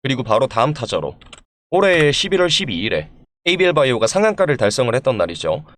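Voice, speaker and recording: Male market commentator, mid-pitched with animated intonation, stuffed up with a cold, formal and courteous presenter delivery. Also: fast. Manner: polite, formal presenter address. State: congested from a throat and head cold. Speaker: stock analysis channel host. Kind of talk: explanatory stock market commentary to viewers.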